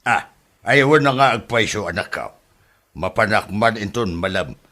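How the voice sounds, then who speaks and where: A man's voice: on the low side, animated, unhurried, bright, forceful tone. A man with an Ilocano accent playing a grown son who lectures and scolds his family in a comedy drama. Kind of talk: scripted drama acting.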